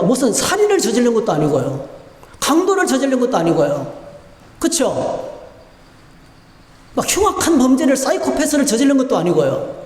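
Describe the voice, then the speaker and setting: A male pastor preaching a sermon, telling stories and asking the congregation rhetorical questions, in a church. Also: very high-pitched. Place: church sanctuary. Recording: echoey church hall with long reverb.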